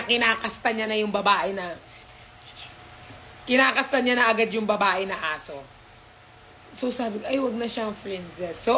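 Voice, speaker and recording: A woman with a somewhat high voice talks casually on a live stream, slipping into baby-talk and playful scolding with her dogs. She is recorded on a phone. There is a faint hiss under her voice. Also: sharp tone, poor audio.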